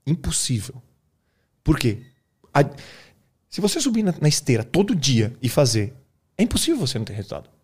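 A man with a Brazilian Portuguese accent, an English teacher explaining his method in a relaxed, colloquial chat, often tagging his sentences with quick questions. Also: fairly high pitch, breathy edge. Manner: relaxed, colloquial, peppers speech with tag questions.

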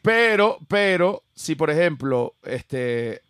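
A man's voice: fairly high pitch, very animated, slow pace, a bit bright, smooth, no echo, clean studio sound. A Venezuelan man with a Venezuelan Spanish accent, hosting a podcast in casual chat, blunt, slangy and joking. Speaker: podcast host.

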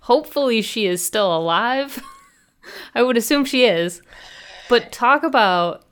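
A woman's voice: a little high, animated, measured pace, fairly bright tone. A woman hosting a casual sports podcast, chatty and thinking aloud with fillers as she recaps matches. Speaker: soccer podcast host.

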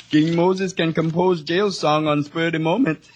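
A man playing a loyal, gentle and droll hotel helper in a 1950s radio drama. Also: fairly high pitch, steady tone, measured pace, dull audio, a little hiss or hum, close to an everyday voice. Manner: refers to himself in third person, droll.

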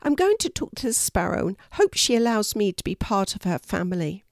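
A polite, remorseful male blackbird, as a woman reading aloud puts him on. His voice lifts a bit above her own and moves in a lively way, close and dry. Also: mid-range voice, brisk, no echo. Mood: grateful. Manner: apologetic, earnest storybook voice.

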